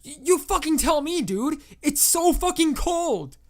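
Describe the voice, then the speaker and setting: A man voicing a whiny, panicked caller in his mid-twenties who is high on drugs and swearing. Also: animated, unhurried, full character voice. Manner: whiny, exaggerated, swearing dude-talk.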